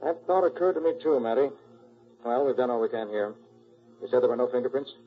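A confident, methodical private detective played by a man in a 1940s radio drama. He speaks rapidly at a middle pitch, through a tinny, narrow old recording. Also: lively intonation, a little hiss or hum, natural voice. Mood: composed, decisive. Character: brisk, composed male master detective, methodical and confident.

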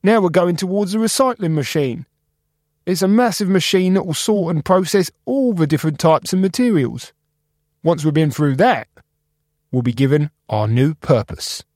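A man's voice: on the high side, normal speed, a little mellow, dry recording, clean studio sound, voice pushed up, natural voice. A man voicing a friendly junkyard guide who talks in a cheerful, folksy way. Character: friendly older male junk guide, cheerful and kind.

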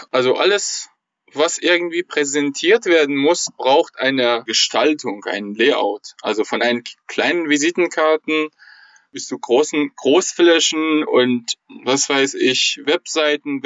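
A young man from Iran, talking casually as a podcast guest in German, pausing often with fillers as he searches for words. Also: medium pitch, a bit bright, no echo, highs cut off. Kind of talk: casual interview conversation.

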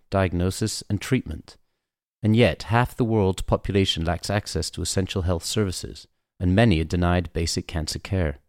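A man's voice: low-pitched, a little mellow, dry recording, studio quality. A man hosting a podcast, reading a polished, formal introduction and asking interview questions. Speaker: podcast host.

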